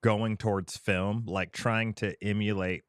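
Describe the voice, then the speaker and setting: A man co-hosting a podcast, asking curious, halting questions in casual chat. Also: lowish voice, level tone, smooth, no echo, studio quality. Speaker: podcast co-host.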